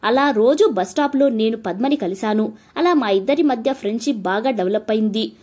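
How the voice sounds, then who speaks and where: A woman narrating an audiobook story in Telugu, told gently and evenly. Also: on the high side, fairly quick.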